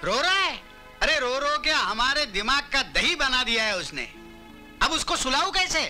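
A brash, bossy kidnapper. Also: male voice, extremely high pitch, big pitch swings, moderate pace, bright, forceful tone, faint music behind, heavily acted. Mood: exasperated. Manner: rough, bossy, mocking. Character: brash bullying male kidnapper. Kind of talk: 1990s Hindi film comedy acting.

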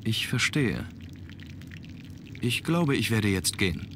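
Low-voiced, reserved young gentleman. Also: sing-song, a little hiss or hum, heavily acted. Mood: reserved, courteous. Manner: formal, deliberate, reserved. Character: brooding young aristocratic gentleman, reserved and courteous. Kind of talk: scripted video game acting.

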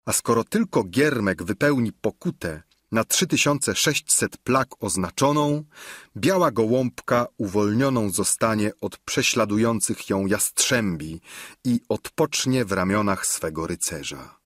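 A man narrating a classic novel for an audiobook, his voice breathy and slightly husky. He reads with animated, rising and falling intonation, close to the mic in a dry space. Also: lowish voice, unhurried, dry recording.

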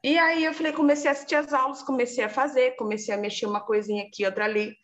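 A woman, giving a lively casual testimonial and acting out her own past words. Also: sits high, quick pace.

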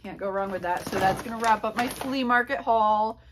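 A woman's voice: on the high side, normal speed, noisy background. A woman in her forties chatting casually to camera about her flea market finds, rambling with lots of fillers and asides, in a small indoor room. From Pennsylvania, USA. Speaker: reseller vlogger. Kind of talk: casual haul chat to camera. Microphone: camera on a tripod at a few feet.

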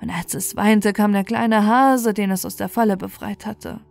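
A woman's voice: medium pitch, steady tone, moderate pace, vocal fry, darkish tone. A woman storyteller narrating a bedtime fairy tale. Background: faint music.

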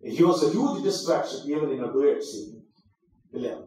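A man giving a formal, oratorical stage speech at an event, emphatic and swelling to loud passages. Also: a little high, expressive, very slow. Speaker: speaker at an inauguration event. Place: event hall. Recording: echoey hall, voice far from mic.

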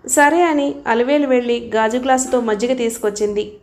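Female audiobook narrator, fairly high voice, steady storytelling read with dialogue. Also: brisk.

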